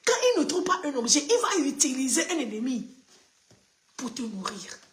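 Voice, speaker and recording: A woman pastor preaching a personal sermon, moving from hushed confiding to excited high exclamations and repeating phrases for emphasis. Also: normal speed. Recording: echoey room.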